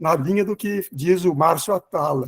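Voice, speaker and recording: A man's high-pitched voice at a moderate pace. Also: dry, close sound with no echo. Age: 60s. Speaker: audience member, karate practitioner. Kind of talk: Q&A question. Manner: formal.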